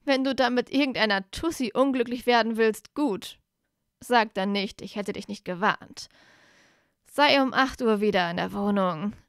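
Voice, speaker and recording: A woman's voice: fairly high pitch, moderate pace, clean tone, no room sound, studio quality, close to an everyday voice. A woman reading aloud voices a loyal, hot-headed young male wizard who presses his friend urgently. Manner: urgent, pushy.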